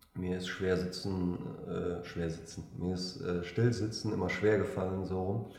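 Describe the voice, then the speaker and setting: In audible room echo with noticeable background noise, a man with a very deep, low pitch speaks at a fairly slow pace and fairly even intonation. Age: 30s. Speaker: sports science lecturer and martial arts gym owner. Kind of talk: interview. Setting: quiet locker room at university sports center.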